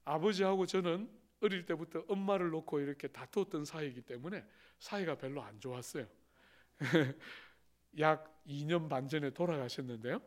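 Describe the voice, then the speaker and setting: A middle-aged man preaching a sermon as a pastor, telling stories with acted-out quotes and rising emphasis. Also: fairly high pitch.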